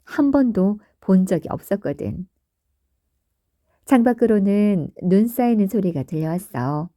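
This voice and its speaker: Female bedtime-story narrator: soothing, very slow, deep mellow tone, close and dry. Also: animated, no echo. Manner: soft, soothing, lilting.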